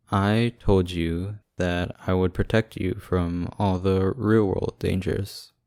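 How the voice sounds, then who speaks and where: A man's voice: low-pitched, warm tone, smooth, dry recording, studio quality. A man playing a devoted, protective boyfriend in an ASMR audio roleplay, talking casually and conversationally.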